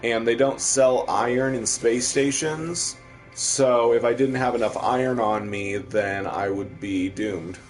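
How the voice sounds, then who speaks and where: A man's voice: medium pitch, unhurried, soft background music. A man from the American Midwest with a Midwestern accent, chatting casually while streaming a game and answering viewers. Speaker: livestream host. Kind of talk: casual gameplay commentary.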